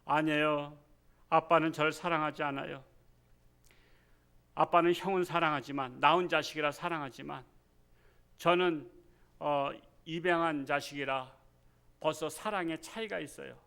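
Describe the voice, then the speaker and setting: A man's voice: a little high, steady tone, moderate pace, creaky, pauses often, a bit bright, clear, resonant tone. A man playing a sulky adopted son. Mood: complaining. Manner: sulky complaining. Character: hurt young adopted son feeling unloved.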